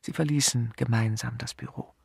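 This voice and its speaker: A man narrating a mystery audiobook in a measured, even way. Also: mid-range voice, vocal fry, slightly rough, no echo, clean studio sound. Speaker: audiobook reader. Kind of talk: scripted narration.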